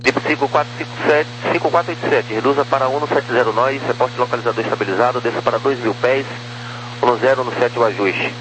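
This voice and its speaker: A man's voice: medium pitch, fast. A Brazilian man giving clipped, procedural air traffic control instructions over a two-way walkie-talkie radio. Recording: noisy radio transmission with hum.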